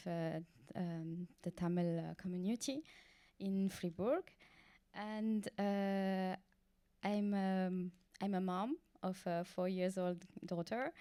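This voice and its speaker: Woman in her thirties, hesitant panel intro, mellow smooth voice. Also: mid-range voice, takes it slowly. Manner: hesitant, frequent "um".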